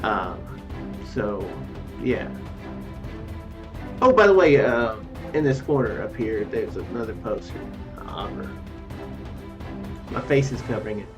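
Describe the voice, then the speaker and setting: A man's voice: on the low side, lively intonation, slow, long pauses. A man giving casual, rambling let's-play commentary, hesitating and repeating his words as he goes. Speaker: let's-play video host. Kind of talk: casual gameplay commentary mixed with reading dialogue aloud. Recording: dull lo-fi mic with faint music.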